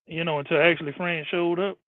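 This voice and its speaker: A man's voice: fairly high pitch, steady tone, fast talker, dry recording. A man on an online panel, chatting casually and explaining history with many restarts. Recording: tinny phone-line sound.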